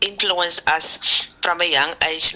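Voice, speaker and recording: A woman speaks at a fairly slow pace in a fairly low pitch. Noticeable background noise sits behind her. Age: 40s. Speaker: singer-songwriter. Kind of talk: radio interview. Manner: halting, with fillers.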